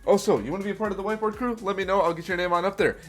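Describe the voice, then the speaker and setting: Man, reaction host, slightly high pitch, nasal, a little hoarse, tired, casual. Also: very fast, faint music behind. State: just woke, tired; slightly hoarse voice from shouting at a concert.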